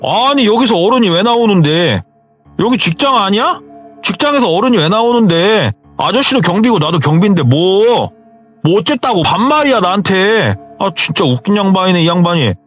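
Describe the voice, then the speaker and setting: A man's voice: fairly high pitch, very animated, normal speed, faint music behind. A man playing a hot-tempered young night guard. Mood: angry. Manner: indignant, talks back sharply.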